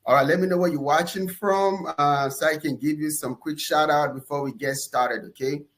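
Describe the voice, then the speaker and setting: A man with a Nigerian accent hosting a live webinar, energetic and enthusiastic, often pausing on "uh" and ending points with "okay?". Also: a little high. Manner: energetic, enthusiastic shout-outs; fillers and repeated "okay?". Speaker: webinar host.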